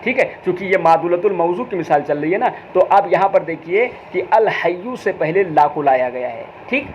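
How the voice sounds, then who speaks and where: South Asian Urdu-accented man teaching logic. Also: on the high side. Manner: repeats terms and asks rhetorical questions to the viewers. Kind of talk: recorded online lesson. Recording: slightly dull, faint background noise.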